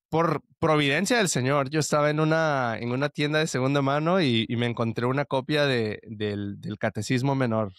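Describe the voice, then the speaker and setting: A man's voice: medium pitch, smooth, no echo, clean studio sound. A young man telling his story as a podcast guest, earnest and full of restarts. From El Salvador. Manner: earnest, with frequent restarts and fillers like "este". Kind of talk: conversational testimony.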